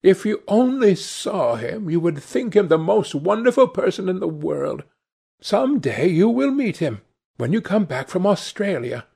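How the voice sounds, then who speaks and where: A man putting on a dreamy, lovestruck young woman in a storybook reading. She gushes breathlessly in a lifted, lilting voice, with a husky grain beneath it. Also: high voice, very animated, unhurried, warm tone, pitched above the performer's own voice, exaggerated voice. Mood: rapturous.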